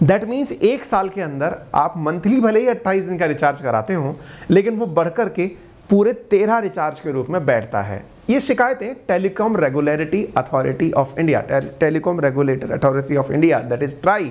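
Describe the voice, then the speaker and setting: A man talks at a fairly slow pace with very wide swings in pitch. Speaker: current affairs educator. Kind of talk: lecture. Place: studio. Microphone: lapel.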